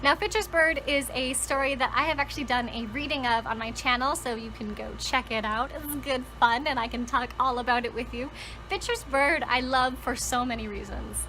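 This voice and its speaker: A woman's voice: high voice, normal speed, bright, forceful tone, slight background noise, poor audio. A woman talking casually and enthusiastically to viewers as a book vlogger, conversational and leaning on words for emphasis. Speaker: book vlogger and storytelling channel host.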